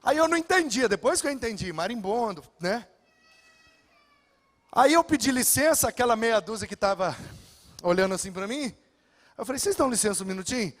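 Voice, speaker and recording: A man's voice: extremely high pitch, expressive, brisk, pauses often, a bit bright, big-room sound. A male pastor preaching a sermon, telling stories with humor and acting out the dialogue. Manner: storytelling, acts out dialogue with humor. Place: church sanctuary.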